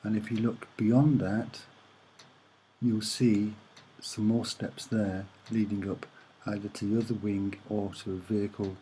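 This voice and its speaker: A soft-spoken man talks at a very unhurried pace, feeling his way through what he sees in an image. His voice sits fairly low, and his delivery is hesitant and musing. Some background noise runs under the recording. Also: level tone, low-quality recording. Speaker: amateur presenter of image analysis.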